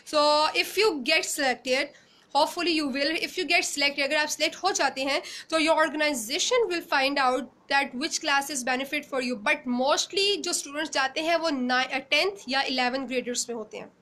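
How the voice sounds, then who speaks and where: A woman's voice: high-pitched, rapid-fire, sharp tone. A young woman from Pakistan with a Pakistani English accent, answering viewers' questions in a live Q&A session, mixing English and Urdu with many fillers and restarts, filmed on a phone at arm's length in a small room. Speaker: former exchange student answering questions. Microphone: phone camera at arm's length.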